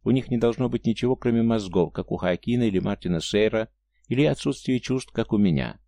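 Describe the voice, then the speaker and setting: Man voicing a bored immortal princess, softly teasing. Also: fairly low pitch, expressive, brisk, vocal fry, no echo. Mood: bitter.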